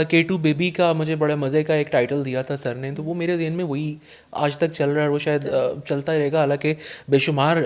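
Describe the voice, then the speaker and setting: A young man hosting a podcast interview, chatty and formal with his audience, using many fillers. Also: on the high side. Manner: chatty, warm formal address, frequent fillers. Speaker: podcast host. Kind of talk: casual interview chat.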